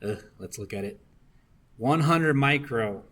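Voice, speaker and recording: A man's voice: mid-range voice, expressive, a little slow, fairly bright tone. A young man working circuit homework problems for a class, often asking "right?" to check that students follow. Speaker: engineering discussion instructor.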